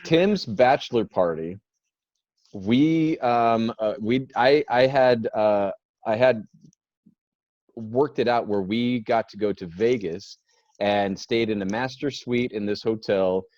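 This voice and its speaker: A man's voice: medium pitch, slow pace, darkish tone, no room sound. A man hosting a casual podcast chat who tells long rambling stories, restarts often and laughs easily. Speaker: podcast host. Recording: dull lo-fi dry sound.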